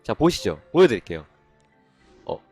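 Man, game streamer, casual live-stream commentary, excitable and exasperated, wildly swinging pitch, faint music underneath. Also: normal speed, breathy edge. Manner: excitable, swings from calm explaining to loud exasperated outbursts. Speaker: game streamer doing gacha pulls for a viewer.

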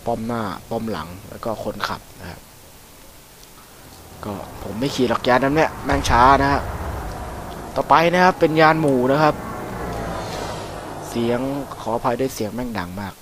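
A man's voice: medium pitch, moderate pace, long pauses, slight background noise. Chatty man commenting on gameplay. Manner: chatty, swears freely, excitable whoops. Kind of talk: casual let's-play commentary.

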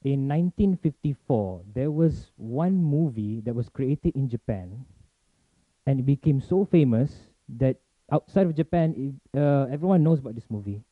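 A young man from Malaysia, giving a chatty, informal forum talk in fast bursts. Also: medium pitch, animated, no room sound. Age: young adult. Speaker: forum speaker. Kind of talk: casual presentation to an audience. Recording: tinny phone-like sound, dry.

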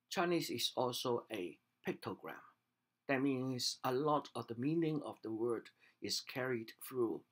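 An older man, a native Cantonese speaker, gives a measured video lesson in English from his home study, recorded on a desk webcam, with pauses and restarts. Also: medium pitch, fairly bright tone, slightly rough. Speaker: language teacher. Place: home study with bookshelves, indoors.

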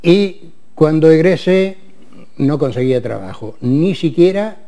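A man in his eighties with an Argentine Spanish accent, a guest on a TV studio interview, talking in a halting way with many fillers and restarts. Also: fairly high pitch, lively intonation, warm tone. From Córdoba, Argentina. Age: 80s. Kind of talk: casual interview. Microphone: lapel.

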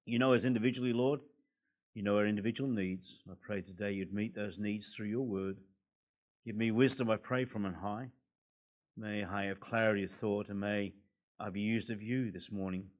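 Hoarse older Australian preacher. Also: male voice, lowish voice, fairly even intonation, normal speed. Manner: building to forceful emphatic preaching. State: hoarse from a cold. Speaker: guest preacher. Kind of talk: sermon. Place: church hall, indoors. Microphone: pulpit microphones.

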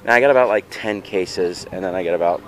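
A man's voice: deep voice, fast talker, fairly bright tone, a little hiss or hum. A man filming a casual, rambling walkthrough of his vendor tables at an outdoor street fair on a handheld camera. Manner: chatty, rambling. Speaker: flea market vendor.

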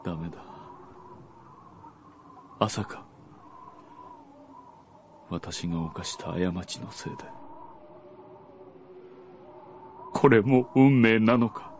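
A man's voice: lowish voice, expressive, slow, long pauses, background noise. A man playing a guilt-ridden widowed nobleman and father in a radio drama, theatrical, pleading and impassioned. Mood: despairing. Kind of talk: Japanese radio drama acting.

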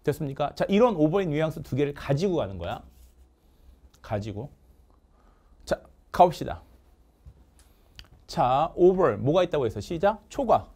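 A man teaching English vocabulary in a lively lecture, drilling words call-and-response and joking with his producer. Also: a little high, measured pace, pauses often. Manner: call-and-response drilling, asks "됐습니까?" often; jokes with the producer off camera.

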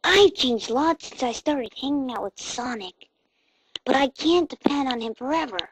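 A woman's voice: high-pitched, moderate pace, slightly rough, no room sound, low-quality recording. A woman voicing an eager, earnest young boy fox sidekick in an amateur cartoon audition. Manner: earnest, excitable. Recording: amateur handheld game console recording.

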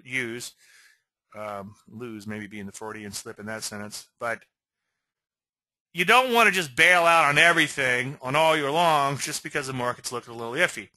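Bright-voiced Cajun man teaching trading. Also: mid-range voice, no room sound. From Louisiana. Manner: folksy, asks okay often, self-deprecating asides. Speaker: trading educator. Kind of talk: screen-share webinar lecture.

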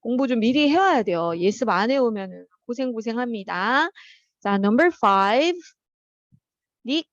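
A woman teaching an English vocabulary class. She calls on students by name, explains words in Korean, and reads the English example sentences slowly and carefully. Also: fairly high pitch, expressive, no room sound, dull audio.

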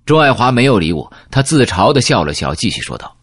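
A man narrating an audiobook in the first person, measured and dramatic. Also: mid-range voice, big pitch swings, fairly bright tone, dry recording, studio quality.

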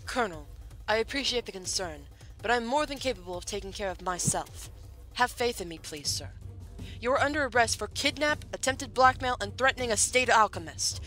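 A composed female lieutenant, played by a woman in an audio drama, with a bright, forward voice. She is dry and matter-of-fact over faint music. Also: fairly high pitch, animated, brisk. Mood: firm. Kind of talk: fan audio drama acting.

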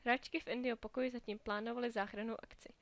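A woman's voice: fairly high pitch, no echo. Woman reading a children's storybook. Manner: clear, lively reading with small voices for the characters.

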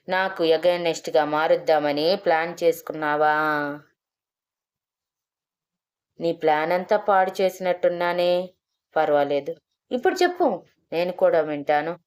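A woman voicing an angry young man back from America, shouting and scolding in a storybook reading. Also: low-pitched, clear, resonant tone, lightly acted. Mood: mocking.

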